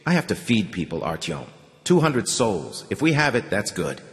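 A man's voice: on the low side, big pitch swings, moderate pace. Casting note: blunt, patronizing middle-aged station master, voiced by a male reader, long reverb.

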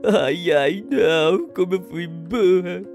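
Man playing Sadness: gloomy, self-pitying, sighing through gameplay in a high, slow voice. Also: gravelly, darkish tone, faint music behind, heavily acted. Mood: mopey. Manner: drawn-out sighs, mopey slow delivery. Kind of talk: gameplay commentary in character.

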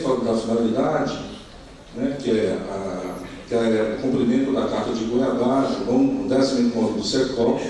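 A middle-aged man with a Brazilian accent giving a formal, partly improvised conference talk, halting and repeating words as he searches for phrasing. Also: mid-range voice, darkish tone. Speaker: conference speaker. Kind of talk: semi-extempore formal presentation. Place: indoor conference hall at a lectern. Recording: echoey hall, distant mic, faint noise.

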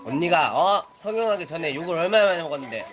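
A woman's voice: on the low side, lively intonation, fast talker. A woman in her twenties streaming and scolding younger players in a bossy big-sister way, swearing as she talks. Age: 20s. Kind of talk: live stream chat with players. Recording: music playing loudly under the voice.

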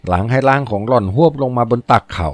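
A man narrating a novel as an audiobook reading in a steady storytelling manner. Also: mid-range voice, quick pace, no echo.

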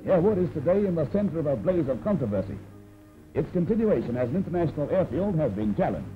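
A man narrates an old newsreel in a formal, announcing way, his fairly high voice rising and falling with lively emphasis. The sound is thin and tinny, like a phone line. Loud music plays beneath him. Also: quick pace.

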